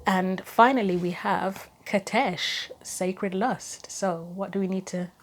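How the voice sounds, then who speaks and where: A woman giving a chatty solo tarot reading and reading guidebook passages aloud, her voice going hoarse. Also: mid-range voice, steady tone, takes it slowly, a little hiss or hum. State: losing her voice, throat going. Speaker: tarot reader.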